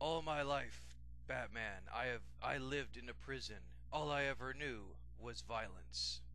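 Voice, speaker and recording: Using a put-on character voice, a man speaks at a moderate pace over clear background noise. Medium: role play. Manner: menacing, slow.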